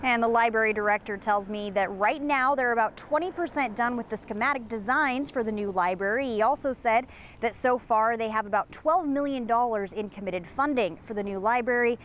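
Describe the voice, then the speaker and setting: A woman in her thirties delivering a live news report outdoors at night, in a clear, measured newscast manner. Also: a little high, fairly bright tone, a little hiss or hum. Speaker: field reporter. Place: outdoors at night outside a library.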